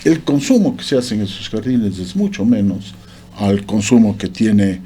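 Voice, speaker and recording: A man's voice: fairly low pitch, animated, normal speed, warm tone, a little hiss or hum. A man explaining points as a radio interview guest, hesitant with many fillers. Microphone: studio microphone.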